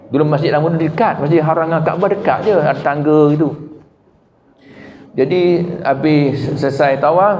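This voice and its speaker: A man preaching to a congregation, animated and humorous, with high emphatic peaks. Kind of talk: religious talk to a congregation. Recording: echoey hall, dull lo-fi sound, faint noise.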